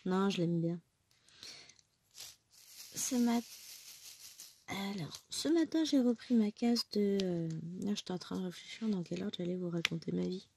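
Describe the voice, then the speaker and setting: A woman's voice: mid-range voice, measured pace, creaky, pauses often, a little mellow, a little hiss or hum. A woman in her thirties with a cold, chatting casually at home while she stitches, rambling and correcting herself as she goes. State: has a cold. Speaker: crafting vlogger. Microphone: phone close by.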